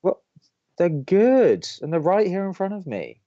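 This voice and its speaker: A sardonic young college DJ in a radio comedy, exasperated and quick to defend himself. His pitch jumps around in animated fashion, recorded close and dry with a slightly muted tone. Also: dry recording, lo-fi sound. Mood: dry, grumbling. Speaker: radio host. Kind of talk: bantering scripted college radio dialogue.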